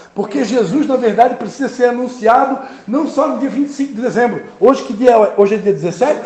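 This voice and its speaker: Speaking at an extremely high pitch for a man, this male voice comes through noticeable background noise and audible room echo. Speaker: pastor. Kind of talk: sermon. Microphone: speaking without microphone.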